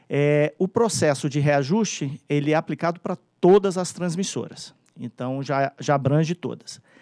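In a dry sound with no echo and a quiet background, a man with a fairly high pitch and a dark, mellow tone speaks at a moderate pace with ordinary pitch variation. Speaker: regulatory agency technical staff; presenter. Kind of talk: technical presentation. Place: meeting room.

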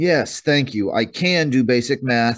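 A man puts on a growling character voice, raised and projected, at a medium pitch. He speaks at a fairly slow pace with ordinary pitch variation. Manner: growling, irritated.

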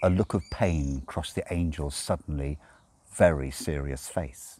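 A man speaks at an extremely low pitch with a dark, mellow tone. His pace is fairly slow, with ordinary pitch variation.

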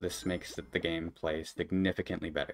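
A quiet voice at a moderate pace. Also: man. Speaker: speedrunner. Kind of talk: video game tutorial narration. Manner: quiet, subdued.

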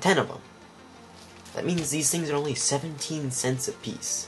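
A man is speaking. Music plays behind him. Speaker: DIY electronics hobbyist. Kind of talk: casual product review to camera.

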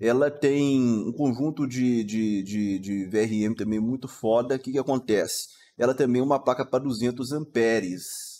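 A man with a Brazilian accent and a dark, mellow tone at medium pitch speaks at a fairly slow pace with hardly any pauses and fairly even intonation, over light background noise. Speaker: tech deals YouTuber. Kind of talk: commentary on product deals. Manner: informal, chatty, repeats prices for emphasis. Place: home room.

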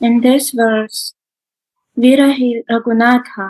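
Speaking very slowly in a quiet setting, a woman uses a high pitch and fairly even intonation. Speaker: interpreter. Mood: calm devotional. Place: home room. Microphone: video call.

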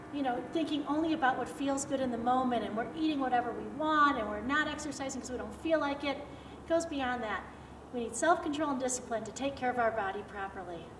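Speaking very fast, a woman has a high pitch and ordinary pitch variation. There is noticeable background noise. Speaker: fitness instructor. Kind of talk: workout instruction with faith talk. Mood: warm, encouraging. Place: open country.

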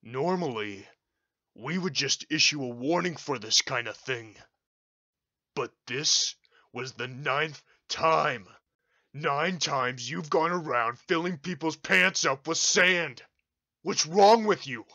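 A man speaks at a fairly slow pace with a fairly high pitch, leaving long, frequent pauses. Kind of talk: comic sketch acting. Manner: deadpan, exasperated.

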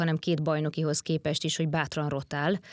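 Talking at a very fast pace, a woman with a fairly low pitch keeps a monotone, flat intonation. The recording is very clean, with a silent background. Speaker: sports podcast host. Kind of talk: casual chat.

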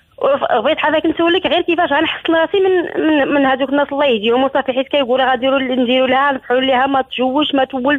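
Her high pitch carries ordinary pitch variation and very even loudness. The woman talks at a very fast pace with hardly any pauses. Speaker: caller. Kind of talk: phone-in question. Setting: phone call.

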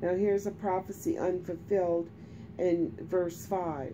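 A woman speaks at a very slow pace. Background noise is noticeable. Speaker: bible reader. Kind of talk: scripture reading with commentary. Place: home room. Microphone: phone near.

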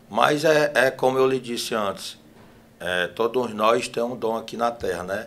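Here a man speaks at a moderate pace with ordinary pitch variation. Light background noise sits behind him. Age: 40s. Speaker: city councillor. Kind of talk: interview. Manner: hesitant, many fillers. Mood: earnest, grateful. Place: studio. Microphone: studio mic.

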